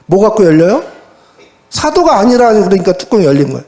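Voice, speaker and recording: A male pastor preaching a sermon at a church service in a lively, colloquial way, often asking the congregation rhetorical questions. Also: high voice, a little fast.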